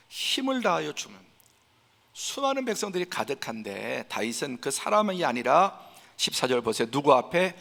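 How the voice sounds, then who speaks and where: A male pastor preaching a Sunday sermon, emphatic and building to forceful peaks, sometimes dropping to a hushed voice to act out scenes. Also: mid-range voice, vocal fry. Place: church sanctuary. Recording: reverberant church hall.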